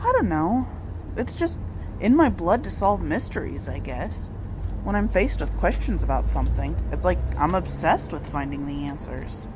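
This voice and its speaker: A woman's voice: fairly low pitch, sing-song, normal speed. A woman playing a stubborn, inquisitive young investigator in a radio drama, earnest and conversational. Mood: troubled. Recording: clear background ambience noise.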